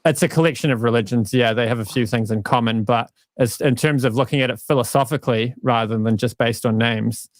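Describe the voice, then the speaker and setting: A man with a New Zealand accent, a guest calmly explaining his faith with dry self-mocking humor over a live-stream call. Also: medium pitch, fairly quick, few pauses, dry recording. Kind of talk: casual interview talk.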